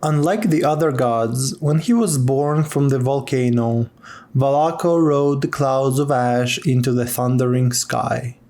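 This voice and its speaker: An actor playing a stern tribal lorekeeper, grave and deliberate, narrating fantasy game lore. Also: male voice, mid-range voice, darkish tone, close to an everyday voice. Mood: stern, solemn. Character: stern, solemn tribal keeper of harsh lore.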